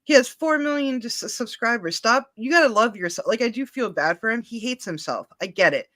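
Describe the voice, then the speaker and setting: A woman's voice: a little high, expressive, a little fast, fairly bright tone. A woman in her thirties co-hosting a reaction stream, chatting casually, joking at her own expense and swearing freely. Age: 30s. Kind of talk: casual chat.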